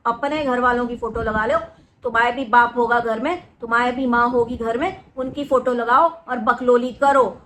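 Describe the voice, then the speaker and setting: A woman with a high voice delivers a vlog rant straight to camera. She scolds and threatens, hammering points home by saying them twice. Her tone is insistent and accusing throughout. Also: fairly bright tone, a little hiss or hum. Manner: repeats phrases for emphasis. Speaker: vlogger.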